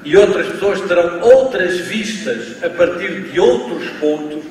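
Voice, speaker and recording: A man from Portugal with a European Portuguese accent, giving a university lecture in a slow, emphatic way, often adding tag questions. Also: high voice, lively intonation, a little mellow. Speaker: guest lecturer. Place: large lecture hall. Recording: distant, echoey hall recording with faint ambience.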